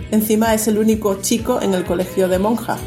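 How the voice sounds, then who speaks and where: A woman's voice: medium pitch, steady tone, moderate pace, music in the background. A woman host in casual radio chat, talking about a TV series in a chatty way, laughing easily and often restarting her sentences.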